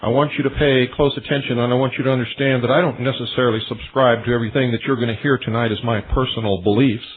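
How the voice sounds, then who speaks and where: A male radio host delivering a solemn, deliberate monologue, speaking straight to his listeners as ladies and gentlemen. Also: medium pitch, fairly even intonation, slight background noise. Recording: tinny shortwave radio broadcast.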